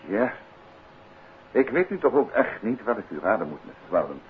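An urbane gentleman detective in an old radio play, with a deep voice and very lively intonation. He is unruffled, evasive and dryly ironic. The recording is muffled, with some background noise. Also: normal speed. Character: unruffled, evasive middle-aged gentleman detective, teasing husband. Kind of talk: 1950s Dutch radio drama acting.

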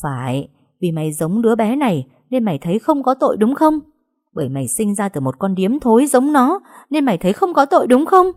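A cruel, scheming woman villain who sneers her threats in a low, cold voice, as a woman reader puts her on. She hisses and scolds with open contempt. It is an audiobook-style story reading. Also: big pitch swings, fairly quick, a little mellow, no echo, studio quality. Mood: raging.

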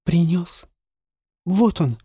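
A man's voice: expressive, very slow, mellow, husky, dry recording, studio quality, exaggerated voice. A man doing a tearful stubborn young boy. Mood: pleading. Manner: pleading, high and strained.

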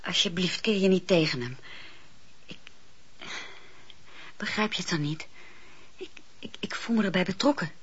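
An actress playing a passionate, earnest wife with an emotional, halting manner in a radio play. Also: female voice, lowish voice, breathy edge. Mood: pleading. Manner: emotional, halting when pressed. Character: passionate, earnest wife pleading with her husband. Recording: dull lo-fi radio play recording.

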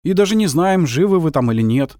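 Мужчина изображает скучающего солдата-нытика. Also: male voice, fairly high pitch, expressive, fairly quick, mellow, dry recording, studio quality, pitched above the performer's own voice, natural voice. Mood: complaining. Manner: whiny, complaining. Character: bored complaining young Red Army soldier.

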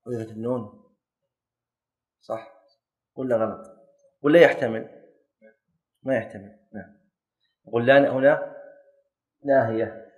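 A man gives a classroom lesson. He quizzes his students, corrects them and jokes lightly. His voice is mid-pitched. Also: measured pace, pauses often, narrow, tinny audio. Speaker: teacher of Islamic jurisprudence.

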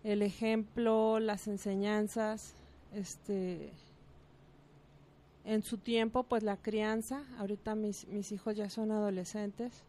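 A woman's voice: medium pitch, fairly even intonation, slow, mellow. A woman, a guest and mother on a radio talk show, thoughtful and searching for words.

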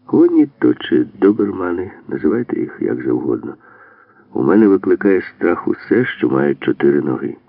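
A man's voice: low-pitched, very animated, moderate pace, vocal fry, no room sound, pitched above the performer's own voice, full character voice. A man reading an audiobook, voicing a nervous, wisecracking male commando who grumbles about dogs. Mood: wry worried. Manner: grumbling, joking complaints. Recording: dry, phone-like narrow band.

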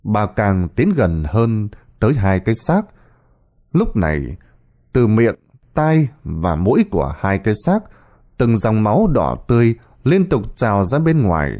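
A man's voice: lowish voice, mellow. A man narrating a scripted horror story with a dramatic delivery.

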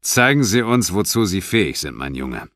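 A man doing a gruff, blunt senior cop. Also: deep voice, very animated, normal speed, fairly bright tone, no echo, clean studio sound. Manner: gruff, blunt, fatherly-condescending. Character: gruff senior male police officer, blunt.

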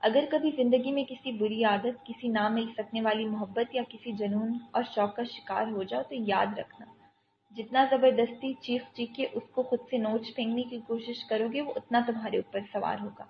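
Woman voicing a young male army captain, calm, commanding, coaxing, slightly high voice, storybook reading. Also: highs cut off, slight background noise, lightly acted. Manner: steady, coaxing, talks a frightened child through danger.

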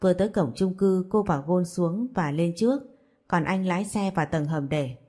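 A woman storyteller reads the narration in an even, steady manner. Her voice sits on the low side and sounds dark and mellow. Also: moderate pace. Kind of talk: scripted narration.

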